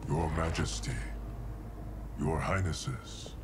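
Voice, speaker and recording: A stoic, ageless guardian gives solemn exposition in a fantasy game drama. The voice is very deep and unhurried, with a musical score behind it. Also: male voice, over music. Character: stoic immortal guardian of time. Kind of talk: dramatic video game cutscene acting.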